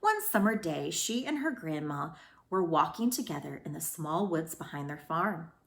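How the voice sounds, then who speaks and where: A woman speaking as a school librarian who reads storybooks aloud to children in an expressive way. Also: low-pitched, normal speed, vocal fry, roomy sound. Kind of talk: storybook read-aloud with informal introduction.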